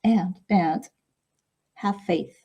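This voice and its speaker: Husky-voiced woman with an Arabic first language. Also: mid-range voice, drawn-out words, warm tone, dull audio. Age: middle-aged. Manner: reflective, often ends points with "okay?". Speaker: guest author. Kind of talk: podcast interview.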